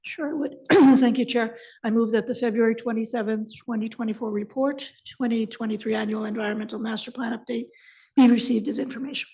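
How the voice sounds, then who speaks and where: A woman's voice: on the high side, steady tone, brisk, gravelly, a little mellow. A woman city councillor with a Canadian accent who is losing her voice, speaking hesitantly and repeating words as she thinks aloud. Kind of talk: council meeting remarks. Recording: dull council room sound.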